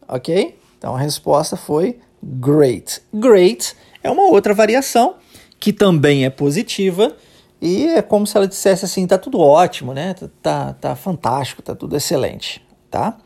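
Encouraging Brazilian woman teacher, lively pitch. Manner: patient, encouraging, models phrases slowly and high. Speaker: English teacher. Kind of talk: language lesson with repeat-after-me drills.

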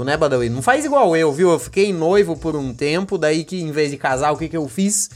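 A man hosting a casual solo podcast, rambling and joking, swinging between low mumbles and excited high bursts. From Brazil. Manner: rambling, joking, addresses his dog as co-host. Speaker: podcast host.

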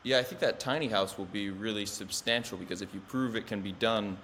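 A man's voice: fairly low pitch, fairly quick, fairly bright tone, slight background noise. A man hosting a podcast, asking casual interview questions and adding brief interjections. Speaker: podcast host.

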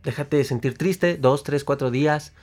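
A man's voice: mid-range voice, normal speed, darkish tone, soft background music. A man with a Mexican accent giving a casual motivational talk in a slangy, colloquial way. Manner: colloquial, slangy, acts out quotes. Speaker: motivational speaker.

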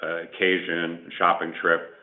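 Male corporate executive, very low voice, measured and emphatic business delivery over an echoey conference line. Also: completely flat delivery. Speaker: company executive answering analysts. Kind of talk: earnings call answers, corporate talk. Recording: echoey, band-limited conference phone line.

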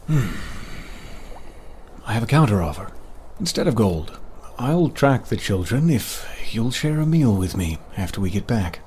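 A man's voice: on the low side, sing-song, measured pace, darkish tone, slight background noise. A man playing an easygoing, boastful monster hunter for hire in an audio drama, with a hesitant, rambling delivery. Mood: relaxed, wry. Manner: hesitant, rambling, munches while talking.

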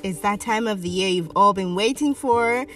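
A woman's voice: medium pitch, normal speed, a bit bright, recorded from a distance. A woman voice-over artist reading scripted advertising copy. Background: music.

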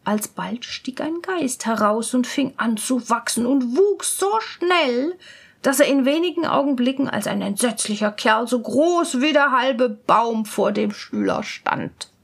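A woman reading a fairy tale aloud in a slow, calm, even storytelling manner. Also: on the high side, vocal fry, slightly rough.

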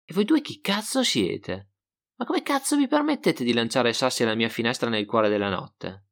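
A man voicing a foul-mouthed, angry young woman who shouts insults in a raised, high voice. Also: very animated, moderate pace. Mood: furious.

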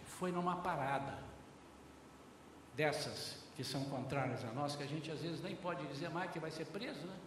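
A high-pitched older man with a Brazilian Portuguese accent delivers a lively sermon, acting out little conversations and turning to the brothers in the pews. He sounds distant from the mic, with a long, roomy reverb filling the church hall. Faint noise sits under the voice. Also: normal speed. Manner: lively, acts out dialogues, often addresses the congregation as brothers. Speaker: pastor. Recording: very echoey hall, heard from far off.

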